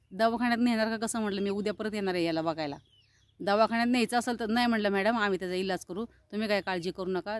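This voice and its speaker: A woman's voice: mid-range voice, dry recording. A woman vlogger telling an angry story, quoting the people she argued with. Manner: indignant, rapid retelling with quoted dialogue.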